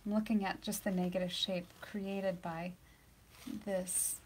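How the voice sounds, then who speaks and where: A woman's voice: fairly low pitch, flat delivery, measured pace, a little hiss or hum. Chatty woman painting instructor. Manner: chatty, laughs often, drops to soft near-whispers while working. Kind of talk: live painting demonstration. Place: painting studio surrounded by lights and cameras.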